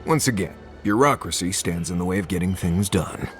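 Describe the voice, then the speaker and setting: A man playing a gruff, sardonic adventuring companion in a video game, blunt with a dry wit. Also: deep voice, expressive, a little fast, soft background music. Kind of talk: video game character acting.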